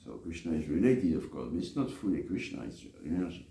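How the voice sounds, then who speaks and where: A man preaching in a scripture lecture, speaking haltingly and hesitantly, with frequent pauses and repeats. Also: low-pitched, big pitch swings, gravelly, dark tone. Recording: echoey room with faint background noise.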